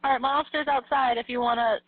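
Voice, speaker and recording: A woman's voice: on the high side, steady tone, very fast, no echo. A woman working as a police emergency dispatcher, putting businesslike questions to a caller over the phone. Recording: tinny phone line recording.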